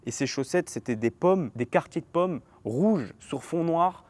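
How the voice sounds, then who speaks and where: A man in his twenties, telling an animated story straight to his viewers in a casual storytime vlog. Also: on the high side, unhurried, dry recording. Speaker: vlogger.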